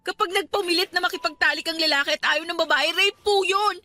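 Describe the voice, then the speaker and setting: Bright-voiced, defiant young employee. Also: female voice, very high-pitched, fast, a little hiss or hum. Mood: indignant. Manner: indignant, polite but assertive. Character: wronged, defiant young female employee and student. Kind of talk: Tagalog radio drama acting.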